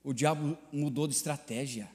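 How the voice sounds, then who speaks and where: A man with a Brazilian Portuguese accent preaching a sermon in a church, swinging between shouted climaxes and low, hushed passages in a repetitive preaching cadence. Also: moderate pace, big-room sound. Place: church sanctuary.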